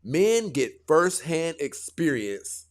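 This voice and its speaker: A man hosting a dating advice stream, lecturing his viewers in a casual, animated way. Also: a little high, takes it slowly. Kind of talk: casual live commentary.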